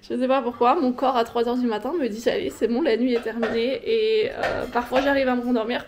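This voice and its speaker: A woman's voice: on the high side, steady tone, brisk, background noise. A young woman, tired and sniffly with a cold, chatting casually at home for her vlog with lots of hesitant fillers. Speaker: vlogger. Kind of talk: casual vlog chat to camera.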